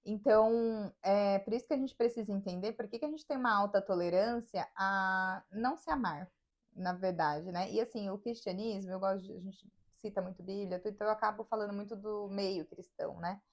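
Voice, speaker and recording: A woman's voice: mid-range voice, a little fast. A Brazilian woman with a Brazilian Portuguese accent, co-hosting a casual podcast conversation and telling personal stories. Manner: storytelling, acts out quoted voices. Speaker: podcast co-host.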